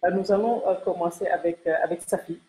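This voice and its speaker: A woman's voice: lowish voice, steady tone, quick pace, warm tone, low-quality recording. A woman presenting a panel interview as host, speaking in a formal, courteous way. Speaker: host and journalist.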